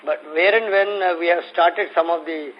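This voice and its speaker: A man with an Indian accent answering investor questions as a company executive on an earnings call, explaining in a halting way. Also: sits high, fairly even intonation. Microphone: conference call phone. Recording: muffled conference phone line with noise.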